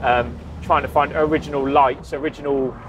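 Fairly even intonation comes from a man recorded dry with no echo, with noticeable background noise. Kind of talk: interview answer. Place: car.

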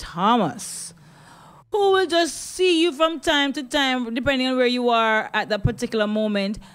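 A woman's high-pitched voice at a fairly slow pace. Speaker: radio talk show host. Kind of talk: radio host chat. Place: studio.

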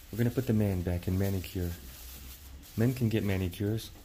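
Somewhat breathy speech comes very fast with very even loudness and fairly even intonation. Light background noise sits underneath. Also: man, fairly low pitch for a man. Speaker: travel vlogger getting a manicure. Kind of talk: casual vlog chat. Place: shop. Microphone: phone near.

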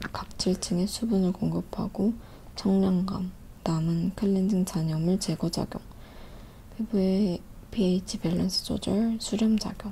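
The speaker is soft-spoken and talks at a very slow pace. Light background noise is present. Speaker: student studying for certification exam. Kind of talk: ASMR whispered study reading. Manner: murmuring to self while studying, repeating phrases. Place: home room. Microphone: phone near.

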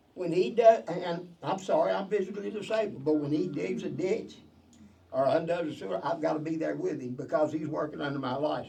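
In a Texas accent, a man speaks at a fairly quick pace with a fairly high pitch, lively intonation and an animated tone. Audible room echo surrounds him. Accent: Texas rural. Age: 80s+. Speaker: water and wastewater operator. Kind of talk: heated debate. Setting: city council meeting.

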